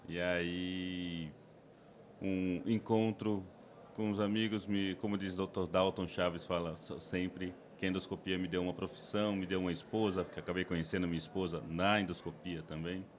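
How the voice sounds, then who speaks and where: A man with a low voice, from the São Paulo interior, speaks as a podcast guest. He explains procedures step by step, often restarting his sentences. A faint background ambience sits under his voice. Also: flat delivery, moderate pace, slight background noise. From interior of São Paulo state, Brazil. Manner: explains plainly with frequent restarts and fillers. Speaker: endoscopist guest.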